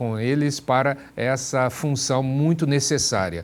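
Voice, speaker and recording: This man has an unremarkable speaking voice at medium pitch with ordinary pitch variation. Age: 60s. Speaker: Senate candidate and pastor. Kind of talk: TV interview.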